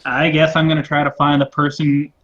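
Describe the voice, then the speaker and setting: A man's voice: fairly high pitch, little pitch movement, brisk, a bit bright. Brief: laid-back guy at a game table, slightly sheepish, dull lo-fi recording. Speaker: player. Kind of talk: casual in-character play. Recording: dull lo-fi mic.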